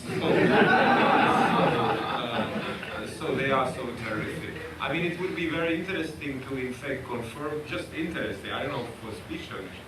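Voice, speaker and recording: A man's voice: mid-range voice, lively intonation, moderate pace. A man with a Czech accent commenting from the audience with jokey asides. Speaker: audience member. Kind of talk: comment at a talk. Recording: echoey, distant, noisy room mic.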